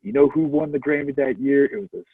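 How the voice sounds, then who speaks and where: A man's voice: fairly high pitch, little pitch movement, fast talker, creaky, breathy edge, no room sound. A man co-hosting a movie podcast, laid-back and quoting films in casual chat. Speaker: podcast co-host. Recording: tinny phone-like line.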